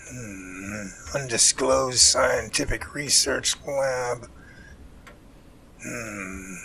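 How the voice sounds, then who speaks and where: Male actor, wry homespun professor, bright forceful tone, creaky edge, audio drama, colloquial delivery. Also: mid-range voice, a little hiss or hum, exaggerated voice. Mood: curious, muttering. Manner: homespun, colloquial, playful wordplay. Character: folksy, crusty male professor, dismissive and wry. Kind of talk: hobby audio drama acting.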